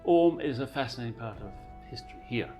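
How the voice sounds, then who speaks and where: An older Irish jeweller telling stories in a lively, warm manner during an interview. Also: male voice, medium pitch, fast, faint music behind.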